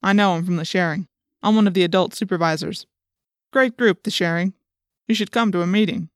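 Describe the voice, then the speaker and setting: A woman voicing an adult policeman in an audiobook, official and folksy, probing with quiet menace. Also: lowish voice, brisk, no room sound, clean studio sound, natural voice. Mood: falsely friendly. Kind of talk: audiobook character voice.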